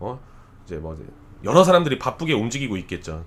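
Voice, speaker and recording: Very wide pitch swings mark this man's speech, which carries vocal fry. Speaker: car reviewer and YouTuber. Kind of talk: casual monologue with voice-over narration. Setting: voice-over recorded afterwards, car wash footage.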